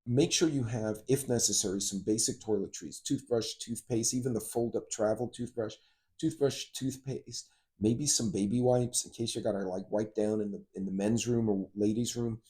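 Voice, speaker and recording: A middle-aged man with a low, very mellow and relaxed voice. He talks like a vlogger giving informal advice, wandering off into asides as he goes. The delivery is conversational and unscripted. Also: normal speed. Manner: rambling, conversational, frequent asides. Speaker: host of a preparedness and travel channel. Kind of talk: casual informal vlog monologue with advice.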